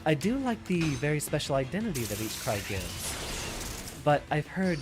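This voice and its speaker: A man's voice: a little high, sing-song, a little slow, over music. A man streaming a video game with a stuffy, slightly nasal nose, musing aloud in an easygoing way and answering viewers' questions.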